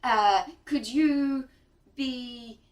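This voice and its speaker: A woman's voice: fairly high pitch, extremely slow. A woman playing a tabletop game, giggly and playful. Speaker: player. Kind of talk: casual tabletop play. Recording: distant mic.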